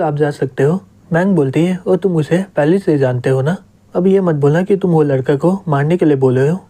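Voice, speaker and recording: A young man narrating a manga story recap, reading out every character's lines in the same steady voice. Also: fairly high pitch.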